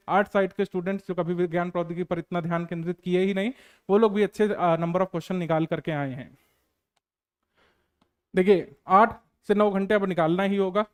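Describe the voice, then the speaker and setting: A male coaching teacher lectures students on exam preparation in an earnest, repetitive way, dotted with filler sounds. His voice sits high and comes across clean and smooth.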